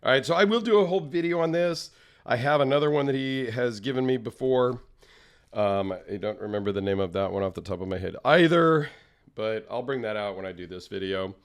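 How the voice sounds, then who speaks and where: A man talks casually straight to camera, his voice a touch raspy and tired after a long trip. He rambles along in a friendly, self-deprecating way at an ordinary mid pitch. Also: a little fast. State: slightly raspy, tired from travel. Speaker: knife channel host. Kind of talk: casual solo vlog.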